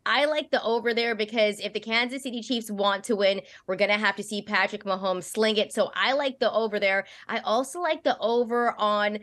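A woman from Canada in her thirties, reporting on sports and giving betting picks in a brisk, confident, conversational way. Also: medium pitch, steady tone, a bit bright. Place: home studio and arena sidelines.

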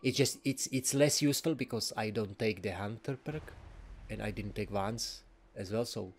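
A man's voice: lowish voice, normal speed. A man giving casual, rambling commentary while playing a video game, often chuckling. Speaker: let's play gamer.

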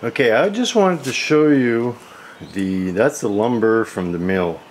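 The host of a woodworking channel gives a casual, folksy how-to narration while working indoors in his home garage workshop. His mid-range voice has lively intonation and an unhurried pace, and the workshop ambience comes through clearly in the background.

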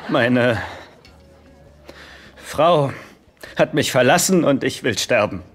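A naive young billionaire in a TV sitcom. The pitch is middling but very lively. He talks bluntly and openly, like an overgrown child. The recording has clear noise. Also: takes it slowly. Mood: forlorn. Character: naive, guileless young billionaire with a broken heart. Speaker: dubbing actor in a sitcom. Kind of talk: German TV sitcom dub acting.

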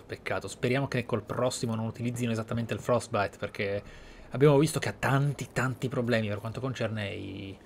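A man's voice: fairly low pitch, slight background noise. A man with an Italian accent hosting a roleplay game playthrough, commentating in a reflective, conversational way. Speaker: host, game streamer. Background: game music.

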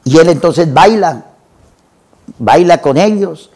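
Guy retelling an old novel on a tv lit show, kinda high voice, slow and careful with lists. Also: lively intonation, warm tone, slightly rough. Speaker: literature presenter.

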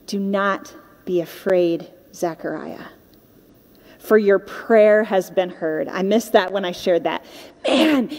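A young woman delivers a sermon in a conversational style, moving between reading and informal explanation. Her pitch sits in a medium range for a woman. The long reverb of a hall surrounds her voice. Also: dark tone. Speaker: preacher. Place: indoor stage with curtain backdrop.

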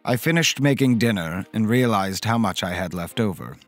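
An actor playing a polite, fussy accountant who tells a horror story in the first person, in a measured way. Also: male voice, fairly low pitch, animated, soft background music, natural voice. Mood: reflective.

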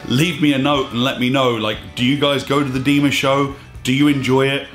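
A man in his thirties hosting a scuba diving vlog, talking emphatically and a bit exasperated, his voice slightly hoarse. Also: medium pitch, flat delivery, brisk, fairly bright tone. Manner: emphatic, exasperated, gestures with hands. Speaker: scuba diving channel host. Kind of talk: opinionated to-camera vlog. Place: small indoor studio room. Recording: echoey room with faint music.

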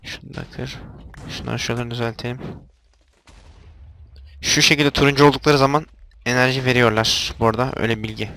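Young man, mid pitch, casual gameplay commentary, grumbles at machines, faint hiss and clicks. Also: steady tone, a little fast, gravelly, pauses often, bright, forceful tone. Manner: exasperated, talks to game machines, frequent outbursts. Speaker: gameplay video host.

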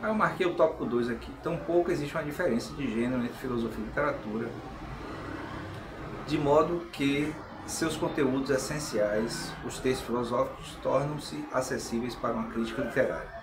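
A man's voice: medium pitch, brisk. A middle-aged Brazilian man giving an informal video lecture, conversational and often checking in with tag questions. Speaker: channel host and philosophy explainer. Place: small tiled room, indoors. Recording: echoey room with clear background noise.

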